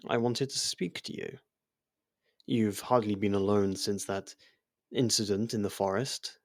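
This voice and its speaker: A performer voicing a devoted, worried royal servant who speaks formally and haltingly in an ASMR fantasy roleplay. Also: mid-range voice, vocal fry, dry recording, clean studio sound, pitched below the performer's own voice. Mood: pointed, knowing. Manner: earnest, formal, deferential, halting. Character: devoted royal servant, worried, gently scolding close friend.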